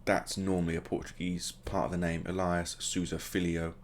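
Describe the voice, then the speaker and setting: A man's voice: sits low, level tone, normal speed, slight background noise. A man hosting a gaming video, casually commentating the play as it happens and adding joking asides. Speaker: gaming channel host.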